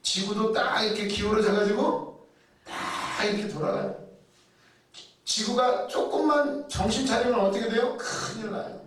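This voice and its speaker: A man's voice: high-pitched, fairly even intonation, normal speed, fairly bright tone. A man preaching a sermon in a chatty way, asking rhetorical questions and acting out people's inner thoughts. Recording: very echoey room, heard from a distance.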